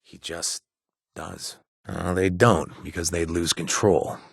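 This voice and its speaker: A reformed wasteland raider, a man with a very low voice and a husky grain, captured close and dry. He speaks earnestly and haltingly, as if confiding in a friend. The delivery is casual, haunted video game dialogue. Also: steady tone, dry recording, full character voice. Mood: wry, reflective, then matter-of-fact. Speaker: companion character in a video game. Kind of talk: conversational video game acting.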